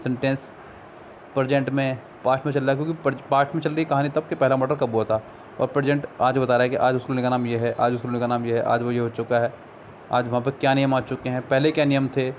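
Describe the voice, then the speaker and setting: Man, Indian accent, Hindi speaker, explanatory, slow deliberate English reading, mid pitch, dull lo-fi audio. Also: little pitch movement, a little hiss or hum. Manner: patient, explanatory, reads English passages slowly and deliberately. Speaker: English exam tutor. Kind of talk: screen-recorded exam-solving lesson. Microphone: screen recorder mic.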